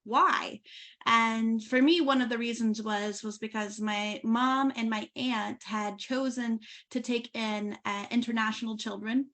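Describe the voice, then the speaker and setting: Woman hosting a podcast, kinda high voice, earnest, lots of "like". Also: fairly even intonation, unhurried, fairly bright tone. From USA, Oklahoma. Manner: earnest, personal, with frequent "like" and restarts. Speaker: podcast host. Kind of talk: conversational podcast interview.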